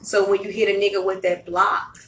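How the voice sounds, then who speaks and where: A woman hosting a casual group podcast chat, blunt and animated, acting out what people say. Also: medium pitch, fairly quick, slight background noise. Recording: roomy echo, far from mic, faint background.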